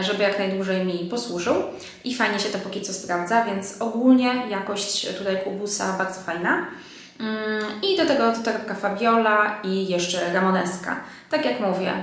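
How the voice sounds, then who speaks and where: A Polish woman talks casually to her viewers in a very echoey room. Her voice sits at a medium pitch and sounds nasal, slightly blocked by a head cold, as if she were talking through a pinched nose. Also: a bit bright. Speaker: fashion vlog host. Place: indoors under artificial light.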